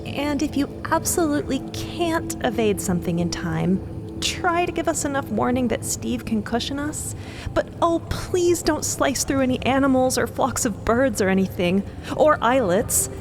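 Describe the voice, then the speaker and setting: A woman's voice: high-pitched, expressive, normal speed, voice pushed up. A woman playing a chatty, encouraging, cheerfully bossy adventurer in an audio drama. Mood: gently pleading. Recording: music behind.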